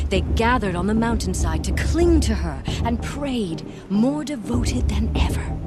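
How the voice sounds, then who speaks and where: An actress playing an old, devout tribal matriarch who tells legends in a solemn, theatrical way for a video game. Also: female voice, mid-range voice, lightly acted. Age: older. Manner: slow, theatrical, reverent storytelling. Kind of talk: dramatic storytelling in a video game. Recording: loud music bed behind the voice.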